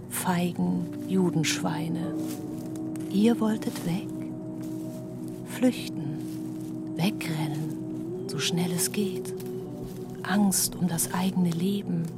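A woman playing a haunting, anguished voice of memory in a literary radio play, deliberate and often dropping to whispers. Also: fairly low pitch, gravelly, full character voice. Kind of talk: literary radio drama, echoing recitation. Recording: music behind the voice.

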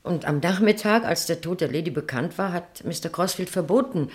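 A woman's voice: on the low side, brisk, a little mellow, close to an everyday voice. An actress playing a polite, reserved woman answering police questions concisely in a radio crime drama.

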